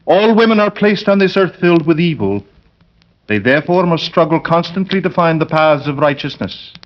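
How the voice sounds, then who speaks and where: An actor playing a pious, sinister male lodger in a 1940s radio drama, speaking slowly and sanctimoniously. Dull vintage radio recording. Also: on the high side, animated, natural voice. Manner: slow, sanctimonious, menacing.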